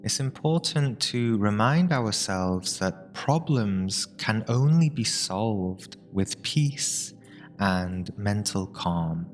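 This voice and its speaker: A man with a fairly low voice leads a guided meditation. He speaks very slowly and soothingly, breaking his sentences into short phrases with long pauses. Music plays behind him. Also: animated. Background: meditation music with binaural tones.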